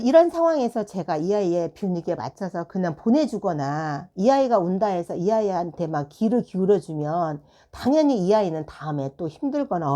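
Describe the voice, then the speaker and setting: A woman who runs a tutoring room, telling a classroom story in casual advice talk and acting out the dialogue. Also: mid-range voice. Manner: animated, acts out classroom dialogue.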